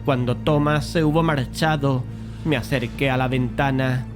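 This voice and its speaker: A man playing a painter who narrates a dramatized horror tale in a measured, literary way, curious and uneasy. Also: mid-range voice, steady tone, music in the background, lightly acted. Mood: horrified, grave. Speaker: narrator and lead character.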